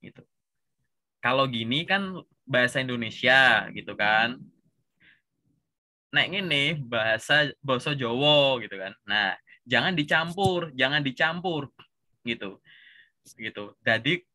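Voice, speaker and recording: Javanese-accented guy coaching casually, bright tense voice, chatty. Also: mid-range voice. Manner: relaxed, chatty, says "gitu" constantly. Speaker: career coach.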